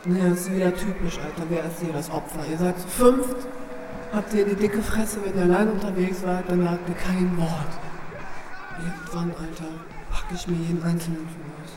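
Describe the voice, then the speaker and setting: A woman's voice: on the low side, fairly even intonation, moderate pace, noisy background, lightly acted. A woman playing a fed-up, anxious trans woman in a radio play, muttering slangy, exasperated thoughts to herself. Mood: angry. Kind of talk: inner-monologue radio play, colloquial. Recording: roomy, distant, music behind.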